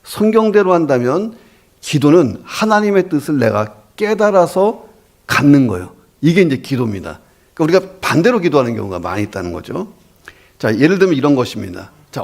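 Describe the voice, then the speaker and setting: A man's voice: mid-range voice, fairly quick, gravelly. A male pastor giving a sermon, telling humorous stories and acting out the voices of his characters. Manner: animated storyteller, acts out the voices of his characters.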